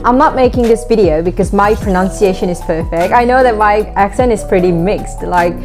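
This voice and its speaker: A woman's voice: mid-range voice, fairly quick. Young korean-accented woman vlogging in english, chatty and easygoing, lots of "like", music playing under her. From South Korea. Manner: relaxed, conversational, many "like" fillers. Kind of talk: casual talking-to-camera tips. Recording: background music.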